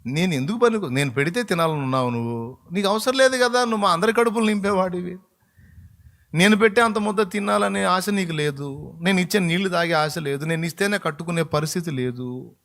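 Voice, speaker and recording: A man's voice: high voice, fairly quick, fairly bright tone. A male pastor, preaching a sermon in a colloquial, emphatic way and acting out bits of dialogue.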